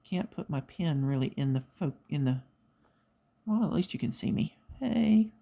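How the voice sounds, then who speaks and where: A middle-aged woman with a slightly low voice hosts a craft session, chatting casually as she works. She tells stories in an animated, chatty way and slips into little quoted voices. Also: normal speed, vocal fry. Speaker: craft video host. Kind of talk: casual chat while diamond painting.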